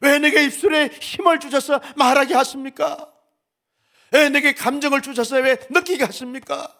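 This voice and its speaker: A man voicing Job, a suffering man pleading loudly with God. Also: extremely high pitch, little pitch movement, moderate pace, creaky, heavily acted. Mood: anguished.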